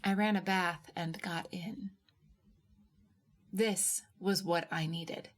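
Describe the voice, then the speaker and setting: A woman narrating a first-person literary short story in a measured, expressive way with deliberate pauses. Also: lowish voice.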